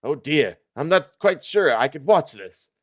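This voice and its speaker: A man's voice: a little high, very animated, unhurried. A man voicing a flustered, anxious TV news reporter who dithers politely through live commentary.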